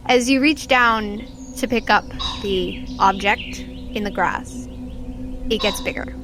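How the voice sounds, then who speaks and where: A woman hosting as game master of a tabletop audio drama, narrating to listeners over a soft background bed. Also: mid-range voice, slow, background noise. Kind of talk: narrating an actual-play game, then scripted credits.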